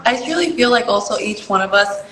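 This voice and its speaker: A woman's voice: mid-range voice, lively intonation, brisk, a bit bright, a little hiss or hum. A young woman, raised in California, answering interview questions in an earnest, chatty way full of "like" and "you know". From born in Peru, raised in California. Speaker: pageant contestant interviewee. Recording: echoey room with long reverb.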